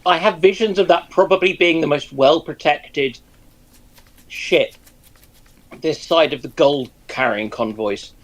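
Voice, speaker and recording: A man with a slightly raised pitch chats casually on a live stream. He thinks aloud through his points and drops in jokes, with keyboard typing heard in the background. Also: unhurried.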